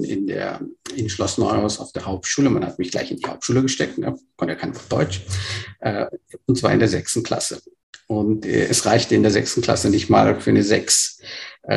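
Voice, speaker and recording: Brief: gravel-voiced man in his fifties, born in Burma, interview guest, halting and thoughtful. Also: fairly low pitch, darkish tone. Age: 50s. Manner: hesitant, many fillers and restarts. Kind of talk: conversational interview storytelling.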